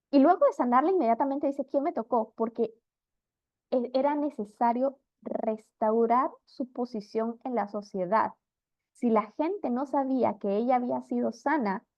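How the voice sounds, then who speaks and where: Woman Bible teacher, fairly high voice, earnest storytelling, dull lo-fi sound. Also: dry recording. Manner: earnest storytelling, acts out quoted figures.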